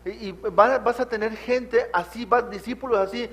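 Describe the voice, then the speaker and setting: High-voiced pastor preaching a sermon. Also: male voice, moderate pace, a bit bright. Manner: exhorting, rhetorical questions to the congregation. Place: church.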